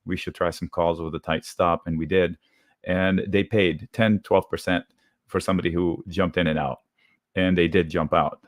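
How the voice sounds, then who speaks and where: Low-voiced man explaining options trades. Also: flat delivery, dry recording, studio quality. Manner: brisk, explains trades step by step. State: deep voice from a cold. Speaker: options trading guest. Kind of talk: live market show, trade walkthrough.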